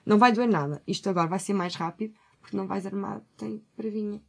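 A woman's voice: medium pitch, fast talker, vocal fry. A woman with a European Portuguese accent chatting casually and informally as a podcast co-host, using plenty of slang. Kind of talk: casual chat.

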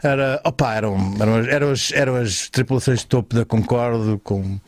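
A man from southern Portugal tells stories as a guest, tripping over restarts and fillers while staying animated. His pitch sits right in the middle for a man. The sound is dry and close, with no room in it. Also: moderate pace, no room sound. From Alentejo, Portugal. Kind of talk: casual chat, storytelling.

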